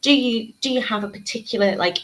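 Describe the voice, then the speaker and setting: A woman's voice: fairly high pitch, fairly quick, a bit bright, rough recording. Chatty woman with a slightly congested voice. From United Kingdom. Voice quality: chatty, many ums and asides. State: congested, a little croaky. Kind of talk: live craft tutorial, chatty.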